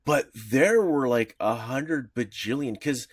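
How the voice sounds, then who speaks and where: A man's voice: medium pitch, animated, slow, husky, dry recording, studio quality. A man co-hosting a podcast, explaining at length in a casual, rambling way with lots of fillers. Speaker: podcast co-host.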